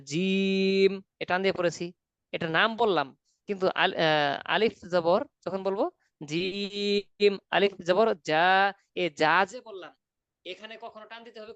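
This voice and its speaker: A man's voice: high voice, fast talker, a bit bright, dry recording. Patient male Quran teacher, dry muffled line. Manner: patient, explains step by step with questions. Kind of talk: online class instruction.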